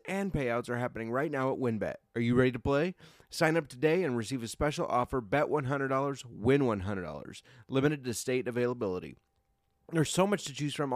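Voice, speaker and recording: A man reading a podcast sponsor's legal disclaimer in a rapid, flat recital. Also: mid-range voice, dry recording, studio quality. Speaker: podcast co-host.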